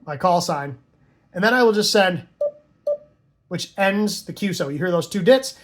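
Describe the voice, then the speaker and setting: Male tutorial presenter, noticeably high pitch, informal and conversational, explaining step by step with casual asides. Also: lively intonation, moderate pace. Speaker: amateur radio instructor and operator.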